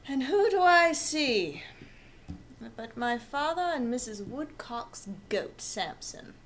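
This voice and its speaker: A woman's voice: on the high side, fairly bright tone, heavily acted. A woman playing a gossipy, scandalized storyteller, drawing out a comic monologue dramatically. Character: scandalized storyteller recounting father's sordid small-town secret. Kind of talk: comedic character monologue.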